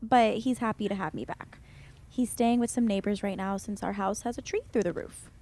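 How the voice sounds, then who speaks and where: A woman playing a gentle, caring adolescent in an audio drama, with an easygoing, sincere manner. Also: mid-range voice, moderate pace, close to an everyday voice. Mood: warm, relieved.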